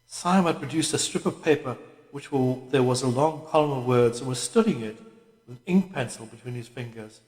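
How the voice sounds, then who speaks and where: A man reading a literary audiobook as scripted narration, with measured, deliberate phrasing. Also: medium pitch, a little mellow. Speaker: audiobook reader. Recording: echoey room with long reverb.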